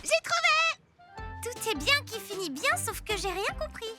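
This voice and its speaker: A woman's voice: very high voice, very animated, normal speed, over music. A woman voicing a bubbly, scatterbrained young girl in a French cartoon dub, perky and eager to please. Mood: cheerful. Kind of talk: French animated series dub.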